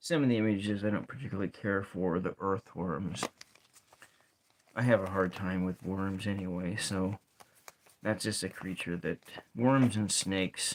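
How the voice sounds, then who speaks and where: At a moderate pace, the soft-spoken speaker mumbles, leaving long, frequent pauses. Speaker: tarot reader. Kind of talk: casual ASMR talk about tarot decks. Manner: soft-spoken, mumbling.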